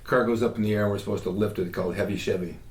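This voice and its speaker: A man as an interview guest, telling rapid, joking anecdotes about his acting jobs. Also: fairly low pitch, steady tone, darkish tone. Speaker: guest, former actor and bodybuilder. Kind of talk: casual interview chat. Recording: echoey room with faint background hum.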